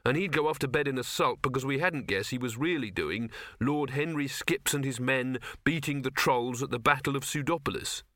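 A man's voice: medium pitch, normal speed, few pauses, bright, forceful tone, no room sound, clean studio sound, lightly acted. A man voicing a polite, wary young student in a storybook, with an unimpressed, questioning manner.

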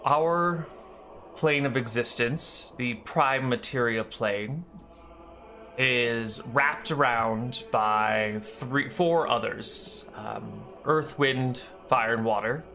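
A man voicing a reserved woman, a head cleric who speaks softly and explains slowly with pauses. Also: mid-range voice, creaky, soft background music, full character voice. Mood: explaining.

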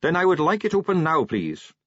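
A young, upbeat watch captain who stays courteous but will not be moved, as a male narrator puts him on. He speaks higher than the narrator and with lively pitch swings, through a slightly husky voice. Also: brisk, no room sound, lo-fi sound, heavily acted. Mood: firm. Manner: polite, cheerful, firm.

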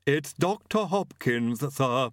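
A man's voice: mid-range voice, lively intonation, takes it slowly, no echo, clean studio sound, pitched above the performer's own voice. A man voicing a servile but grumbling gothic henchman in an audiobook story. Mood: deferential. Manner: grumbling, deferential to his master. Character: stooped servile gothic henchman, muttering and proud of homeland.

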